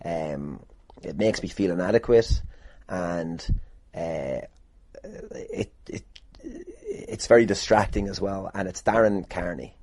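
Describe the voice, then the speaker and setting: A man's voice: deep voice, sing-song, takes it slowly, a little mellow, no echo. A man hosting a casual solo podcast, rambling and sweary as he answers listener questions in a jokey way. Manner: rambling, sweary, jokingly boastful. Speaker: podcast host and wrestler.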